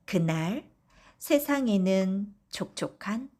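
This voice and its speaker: A woman narrating folk tales for bedtime in a soft, often whispery, gentle voice. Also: medium pitch, expressive, slow. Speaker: audiobook narrator.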